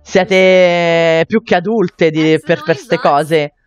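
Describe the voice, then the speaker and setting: A woman's voice: fairly low pitch, fairly even intonation, very slow, faint music behind. A woman hosting a let's play, giving game commentary in chatty asides to viewers with many fillers.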